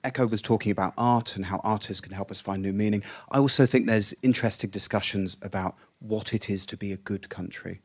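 A man with a fairly low voice speaks as a panelist, measured and persuasive, stacking points in rhythmic lists. The sound is close and dry. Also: fairly even intonation, breathy edge, dry recording. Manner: measured, persuasive, list-like rhetoric. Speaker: panelist, magazine editor. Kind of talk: panel discussion.

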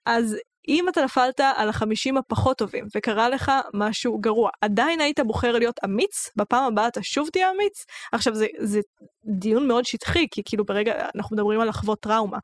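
A woman's voice: a little high, dry recording. A young woman co-hosting a casual book-discussion podcast, thinking aloud in a reflective way. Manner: thoughtful, talks through ideas with many fillers. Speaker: podcast co-host.

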